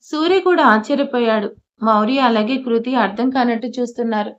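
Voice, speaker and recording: A woman's voice: a little high, fairly quick. Woman narrating a story, lo-fi audio. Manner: reads dialogue of all characters in her narrating voice. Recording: dull lo-fi audio.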